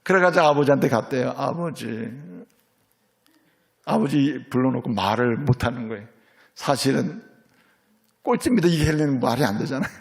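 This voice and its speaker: A middle-aged man, a senior pastor, preaching a sermon as a lively storyteller who keeps checking in with his congregation. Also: medium pitch, quick pace, gravelly. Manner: lively storytelling preacher, voices characters in quotes, asks "예?" of the congregation.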